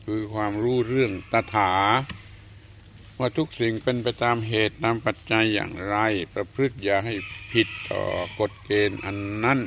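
Older Thai monk preaching slowly. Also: male voice, fairly low pitch, steady tone, gravelly, fairly bright tone, slight background noise. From Thailand. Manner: slow, measured preaching with hesitant fillers. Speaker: Buddhist monk giving a dharma talk. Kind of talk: sermon.

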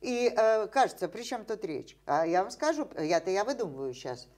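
A woman's voice: mid-range voice, sing-song, moderate pace, darkish tone. An older woman, a scientist guest in an interview, explaining ideas at length with many fillers and rhetorical questions, seated in a dim indoor room.

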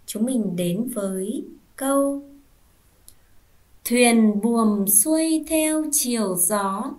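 A woman's voice: on the high side, expressive, extremely slow, a little mellow. A woman teacher giving a first-grade reading lesson, patiently spelling out sounds and asking the children to repeat. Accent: Vietnamese. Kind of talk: slow, clear classroom reading lesson.

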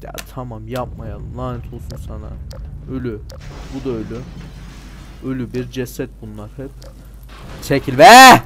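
A man giving casual gameplay commentary, excitable and sarcastic, talking back at game characters with sudden loud outbursts and grumbling asides. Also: mid-range voice, normal speed, pauses often, a little hiss or hum. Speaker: let's play gamer.

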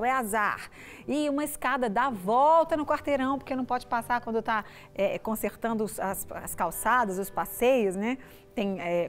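A middle-aged woman pastor with a Brazilian Portuguese accent gives a short, conversational devotional talk in a TV studio. She speaks to the viewer through a lapel mic. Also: mid-range voice. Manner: conversational, often asks the viewer "né?". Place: TV studio set.

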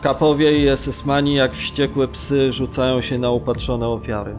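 A man's voice: medium pitch, little pitch movement, moderate pace, natural voice. Actor as harrowed male camp prisoner, music behind. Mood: grim, harrowed. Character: male camp prisoner recounting his brutal ordeal. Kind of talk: dramatised documentary narration of survivor testimony.

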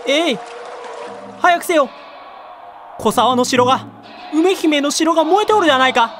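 A man's voice: very high-pitched, lively intonation, normal speed, fairly bright tone, soft background music. A man playing an anguished samurai lord in a period voice drama, with theatrical, archaic warrior speech. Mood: frantic, desperate. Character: anguished samurai lord watching his castle fall.

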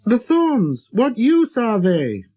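Storybook child prince, performed by an adult man: high, light voice, earnest, insistent, quick to indignation, swooping intonation. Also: wildly swooping pitch, warm tone, heavily acted. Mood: insistent, questioning. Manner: insistent, questioning. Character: earnest, persistent, easily indignant little boy prince.

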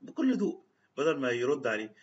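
With big swings in pitch around a mid-range voice and a quick pace, this religious speaker tells old anecdotes and recites classical Arabic quotes. He has an Egyptian Arabic accent, and the recording sounds somewhat dull and lo-fi.

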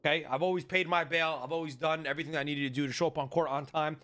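A man roleplaying a defendant in a put-on New York Italian accent. His voice is bright and a touch high, pleading in a mock-formal way and slipping into quick asides. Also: fairly even intonation. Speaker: roleplayer in a courtroom scene.

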